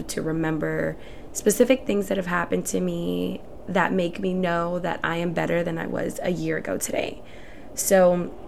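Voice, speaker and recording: Gravelly-voiced young woman hosting a podcast. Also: lowish voice, a little hiss or hum. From El Salvador, raised in Houston, Texas. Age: 20s. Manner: earnest, reflective, speaks in short phrases. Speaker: podcast host. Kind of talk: solo podcast monologue.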